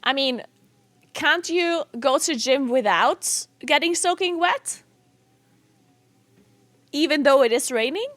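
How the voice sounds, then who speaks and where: Speaking slowly with long pauses, a woman from South Tyrol, Italy, chats casually on stream in South Tyrolean-accented English, which isn't her native tongue. Her high, animated voice is a bit bright with no echo, and as a game streamer and esports caster she giggles and laughs often.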